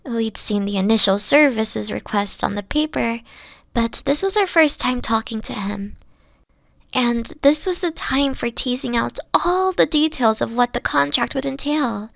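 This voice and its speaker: A woman playing a soft-spoken, sighing kitsune girlfriend. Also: fairly high pitch, expressive, measured pace, creaky, dry recording, clean studio sound, heavily acted. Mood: hurt, frustrated. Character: gentle young three-tailed kitsune girlfriend, insecure. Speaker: team lead. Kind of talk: ASMR roleplay.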